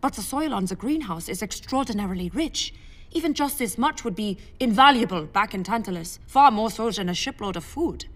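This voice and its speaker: A woman playing a thoughtful, practical fleet specialist explaining in a science fiction audio drama, measured in manner. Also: mid-range voice, expressive, natural voice. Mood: persuasive.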